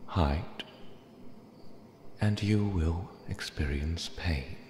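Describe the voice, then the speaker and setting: A man's voice: deep voice, extremely slow, a little mellow. A man playing a possessive, menacing cat demon in an ASMR roleplay, taunting with mock affection. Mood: predatory, amused. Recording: echoey hall reverb, clear background noise. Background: ambient sound effects.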